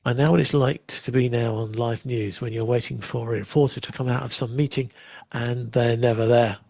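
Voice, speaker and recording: Gravelly husky man chatting on a livestream. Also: mid-range voice, fairly even intonation, normal speed, a little mellow, no echo. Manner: chatty, wry asides while waiting. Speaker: livestream host demoing software. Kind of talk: casual live demo chat.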